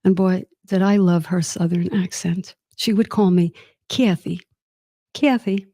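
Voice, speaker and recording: Host, woman, middle-aged, reflective storyteller with a dry wit, dark mellow tone. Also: lowish voice, level tone, moderate pace, no room sound. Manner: warm, wry and reflective. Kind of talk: personal storytelling monologue.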